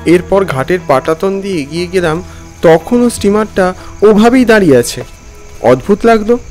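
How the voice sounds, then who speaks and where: A man acts a weary male traveller telling a horror tale in the first person. His voice is fairly high and swings expressively, over soft background music. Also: normal speed. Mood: uneasy. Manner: expressive storytelling. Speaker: narrator and main character.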